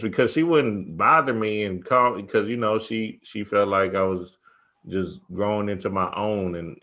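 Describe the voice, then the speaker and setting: A man with a low voice chats casually as a host. He shares personal anecdotes informally, feeling his way through sentences with frequent small pauses. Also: fairly bright tone. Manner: halting, informal, peppered with "you know".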